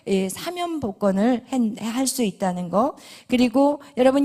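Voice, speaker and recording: A woman pastor preaching a sermon. She asks the congregation questions and answers them in a hushed whisper, with sudden emphatic rises in between. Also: high-pitched.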